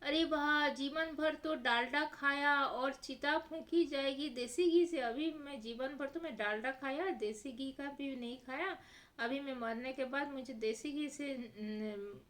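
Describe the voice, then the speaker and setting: औरत की आवाज़ में कंजूस, चिढ़ा हुआ सेठ. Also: female voice, high-pitched, a little slow. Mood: scornful. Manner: exclaims loudly in short outbursts. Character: miserly middle-aged male merchant, penny-pinching and indignant.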